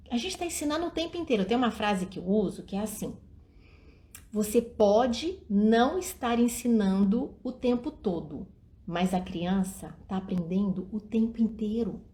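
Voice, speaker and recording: A middle-aged woman giving a live-stream talk outdoors at night, with a voice of ordinary medium pitch. She speaks to her viewers in an easy, conversational way, dropping into little acted lines of parents and children as she goes. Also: warm tone. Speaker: early childhood education speaker.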